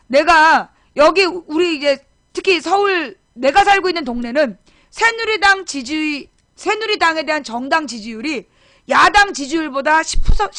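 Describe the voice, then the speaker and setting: A middle-aged woman with a high, bright voice holds forth in a casual live-stream chat. She rambles, corrects herself mid-sentence, and speaks straight to her viewers. The close mic sounds dry, with no room around it. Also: no echo. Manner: rambling, self-correcting, talks directly to viewers. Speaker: political talk show host.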